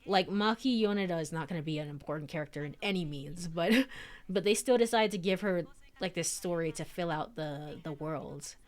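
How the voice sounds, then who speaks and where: A woman's voice: on the low side, normal speed. A woman streaming a visual novel, reading it aloud with casual, giggly commentary full of "like" and "um". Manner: chatty, giggly, lots of "like" and "um". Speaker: streamer and let's-player.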